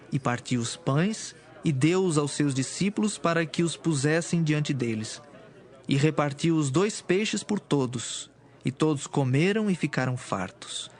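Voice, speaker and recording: A man giving solemn scripted narration as the narrator of a dramatized Bible. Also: on the high side. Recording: music behind.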